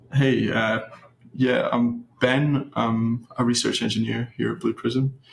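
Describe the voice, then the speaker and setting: Noticeable background noise sits behind a man speaking very slowly. His medium-pitched voice stays flat and monotone. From Scotland. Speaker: AI research engineer. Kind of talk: podcast interview.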